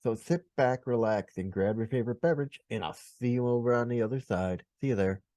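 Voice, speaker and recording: A man's voice: mid-range voice, a little fast, dark tone, dry recording. A man hosting a podcast, giving friendly, upbeat welcomes and asking his guest questions. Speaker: podcast host.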